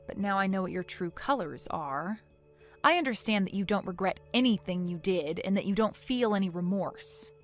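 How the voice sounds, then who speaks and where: A woman voicing a calm, resolute young woman who speaks in a cold, measured, firm way. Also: medium pitch, faint music behind, pitched below the performer's own voice, close to an everyday voice.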